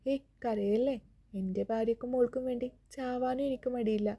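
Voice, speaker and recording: A woman's voice: on the high side, fairly even intonation, moderate pace, warm tone, natural voice. A woman voicing a brave, teasing young hero. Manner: playful and tender.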